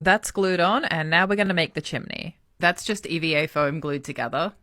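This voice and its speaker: A woman narrates a craft build step by step. Her voice is notably low for a woman and bright in tone. She sounds plain and matter-of-fact. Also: normal speed. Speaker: craft video creator. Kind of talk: step-by-step craft tutorial voice-over.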